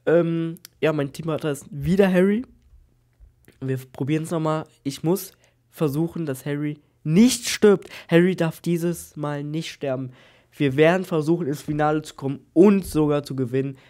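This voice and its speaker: Male gaming host, nasal with a cold, excitable and repetitive, pitched a little high. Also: moderate pace. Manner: excitable, exclaims and repeats himself. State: has a cold. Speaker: gaming YouTuber. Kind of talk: excited Minecraft let's-play chat.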